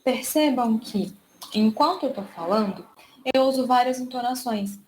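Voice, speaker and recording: Brazilian woman lecturing, fairly high voice. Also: animated, a little hiss or hum, low-quality recording. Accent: Brazilian Portuguese. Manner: explanatory, stretches key words slowly. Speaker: speech therapist teaching a lecture. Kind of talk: online lecture.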